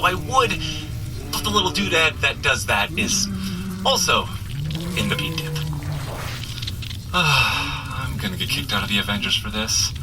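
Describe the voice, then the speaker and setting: A man's voice: a little high, background noise. A man playing a bumbling, good-hearted superhero in a comedy audio drama, coaching the listener with nervous, apologetic, rambling chatter. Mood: urgent, apologetic. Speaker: actor playing a superhero guide.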